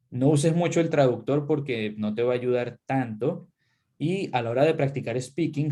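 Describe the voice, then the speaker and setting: A young adult man talks through exam advice in a loose, conversational way, dropping fillers as he goes. His voice sits at an ordinary pitch with a dark, mellow tone. He sounds like a teacher chatting in an interview. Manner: relaxed, conversational, uses many fillers. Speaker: English teacher. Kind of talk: casual advice in a live interview.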